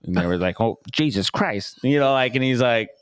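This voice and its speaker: A man co-hosting a laid-back podcast, his voice at a middle pitch and recorded dry and close. He rambles through stories, laughs often and breaks into quick playful impressions. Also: animated, clean tone, no echo. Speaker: podcast co-host. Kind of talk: casual chat.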